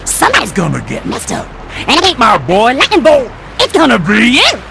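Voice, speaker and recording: Brash villainous derby bus, gravelly swagger, loud and animated, cartoon game, pitch-shifted. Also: female voice, a little fast, over music, exaggerated voice. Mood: menacing swagger. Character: menacing, brash female demolition derby school bus. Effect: pitch-shifting voice changer.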